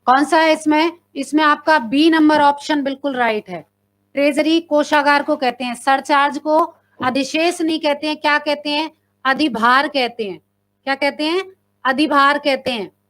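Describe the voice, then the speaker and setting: A woman teaches a live exam-prep class in a high voice. She reads each question and its options aloud, asks her viewers to answer, and confirms the right option. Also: fairly even intonation, normal speed, fairly bright tone. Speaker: Hindi teacher.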